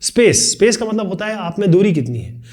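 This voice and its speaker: A man teaching a video lesson, explaining quickly and chattily with joking asides. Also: high-pitched, very animated, a little mellow. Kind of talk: fast classroom video lesson.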